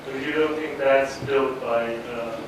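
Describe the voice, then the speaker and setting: A man asks questions from the audience, pausing and restarting as he goes. His voice comes from far across a very echoey hall. Clear background noise runs underneath. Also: medium pitch, steady tone. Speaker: audience member asking questions. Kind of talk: question from the floor. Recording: distant voice in a very echoey hall, noisy.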